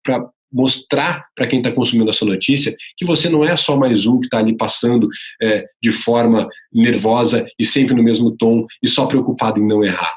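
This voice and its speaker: A man with a Brazilian Portuguese accent teaching vocal technique to aspiring sports journalists in a casual, lively way, swinging his pitch up and down to demonstrate emphasis. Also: normal speed, hardly any pauses. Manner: addresses viewer directly, casual and instructive. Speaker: journalism coach.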